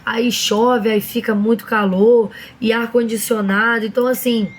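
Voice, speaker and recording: A hoarse woman hosting a casual devotional talk, addressing viewers directly with frequent fillers and reading Bible verses slowly and deliberately. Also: a little high, fairly even intonation, slight background noise. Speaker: online devotional host.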